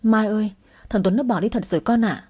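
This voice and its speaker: A woman's voice: medium pitch, brisk, mellow, husky, natural voice. A woman voicing a grieving, stubborn old village mother who pleads tearfully. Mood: plaintive.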